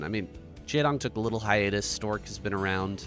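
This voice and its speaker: With music in the background, a man speaks at a very deep, low pitch. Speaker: esports caster. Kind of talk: live game commentary.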